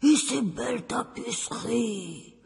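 A woman's voice: on the high side, expressive, slow pace, gravelly, darkish tone, husky, big-room sound, full character voice. A woman voicing a timid, kindly old fisherman in an audio storybook, with a pleading, wondering way of talking. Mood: awestruck. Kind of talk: storybook acting.

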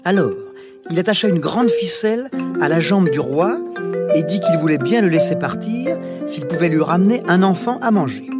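A man reads a children's tale slowly, with lively expression. His voice sits a little high. Music plays clearly underneath. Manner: slow, expressive storytelling. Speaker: storyteller. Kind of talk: children's story reading.

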